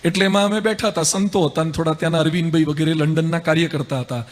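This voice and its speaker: A man, a Hindu monk, gives a spiritual discourse, telling humorous stories in a lively, rhetorical way. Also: on the high side, fast.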